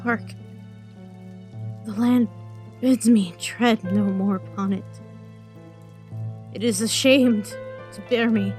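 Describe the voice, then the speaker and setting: Slow, high-voiced woman as a defeated general. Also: steady tone, a little mellow, soft background music. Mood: despairing. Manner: sombre, halting. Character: defeated, ashamed Roman general, grieving and generous. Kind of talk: Shakespearean audio drama acting.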